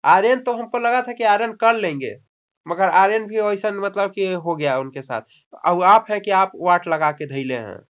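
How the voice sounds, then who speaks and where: A man's voice: high voice, a bit bright. A man tutoring a student in English vocabulary, explaining in Hindi, coaxing and scolding by turns and drilling words by repetition. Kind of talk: English lesson taught in Hindi. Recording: dull lo-fi recording.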